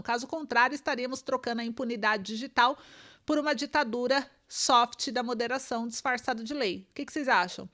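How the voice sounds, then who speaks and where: A woman's voice: a little high, a bit bright. A woman with a Brazilian Portuguese accent giving online political commentary, reading news aloud and pressing her viewers with emphatic rhetorical questions.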